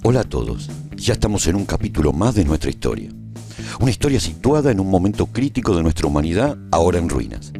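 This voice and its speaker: Man playing a deep-voiced solemn radio serial narrator. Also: very animated, fast talker, vocal fry, music in the background, full character voice. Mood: grave storytelling. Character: male post-apocalyptic traveller recounting a war story gravely. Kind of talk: scripted dramatic first-person narration.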